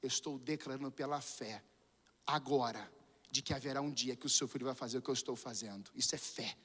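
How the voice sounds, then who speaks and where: A man pastor with a Brazilian Portuguese accent preaching a sermon, moving between hushed storytelling and fervent shouting. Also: medium pitch, fairly quick, breathy edge, in a large hall.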